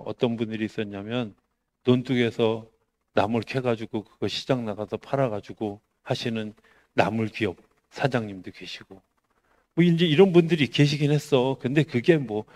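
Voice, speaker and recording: A middle-aged male pastor giving a conversational Korean sermon. He asks the congregation rhetorical questions and swings between raised, emphatic lines and quiet, hushed ones. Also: medium pitch.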